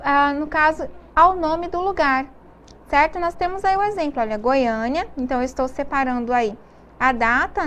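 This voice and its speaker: Brazilian lady teacher doing a tv lesson, high pitched, keeps asking "ok?" to check in. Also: a bit bright, a little hiss or hum. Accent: Brazilian Portuguese. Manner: explains slowly, with many check-in questions. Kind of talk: televised classroom lesson.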